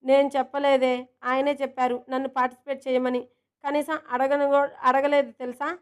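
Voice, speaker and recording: A bold, pouting young office girl, played by a woman storyteller; high voice, quick and cheeky. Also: flat delivery, close to an everyday voice. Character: playful, headstrong young woman office worker.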